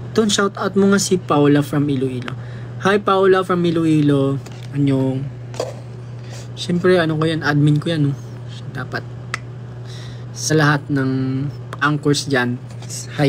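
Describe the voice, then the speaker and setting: A man's voice: fairly high pitch, slight background noise. A young man with a Filipino accent chatting casually on a livestream, reading comments and teasing fans in a playful way. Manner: playful, teasing, mixes Tagalog and English.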